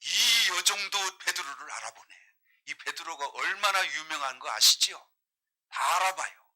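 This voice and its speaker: A man's voice: on the high side, lively intonation, normal speed, pushed and bright. A middle-aged man from Jeolla, a pastor preaching a sermon, reading scripture and putting emphatic rhetorical questions to his congregation. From Jeolla, South Korea.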